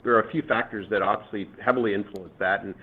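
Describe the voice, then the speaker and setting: A male company executive answering a question on an earnings call in careful, halting phrases, over a tinny conference line. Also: lowish voice, steady tone, breathy edge.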